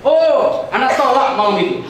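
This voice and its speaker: Animated male seminar speaker, echoey hall. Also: extremely high pitch, normal speed, background noise. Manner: animated, dramatic storytelling. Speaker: motivational speaker. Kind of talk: storytelling seminar talk. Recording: echoey hall, distant mic.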